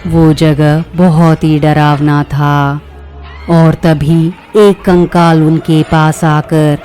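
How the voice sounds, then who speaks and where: Slow-reading woman storyteller. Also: sits low, little pitch movement. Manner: slow, measured, dramatic. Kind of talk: scripted storybook narration. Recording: soft background music.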